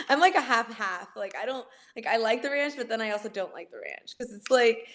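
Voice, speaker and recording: A woman's voice: a little high, big pitch swings, moderate pace, fairly bright tone. A laid-back woman chats in casual slang and breaks into laughter often. She performs comedy for a living, and her talk stays loose and easygoing. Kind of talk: casual video chat.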